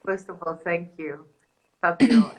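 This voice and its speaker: A woman from Germany who teaches on spiritual themes, talking in a slow, earnest, soft way and laughing lightly now and then. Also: fairly low pitch, low-quality recording. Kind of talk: reflective talk in a panel conversation.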